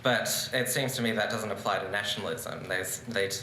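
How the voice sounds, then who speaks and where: Speaking from a conference lectern into a stand microphone, a young debater argues earnestly and gestures as he goes. His lowish voice is steady, pushed and bright at a normal pace, while the large room's seated audience and roomy echo come with a little hiss or hum.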